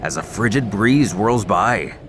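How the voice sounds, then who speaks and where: A man giving dramatic scripted story narration with expressive storytelling emphasis. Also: on the low side, measured pace. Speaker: narrator of fan comic recaps. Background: background music.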